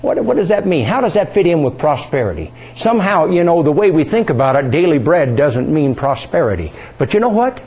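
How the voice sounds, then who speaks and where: A man's voice: on the high side, big pitch swings, brisk, hardly any pauses, darkish tone, breathy edge. A man preaching a sermon, reading scripture aloud and asking his congregation questions.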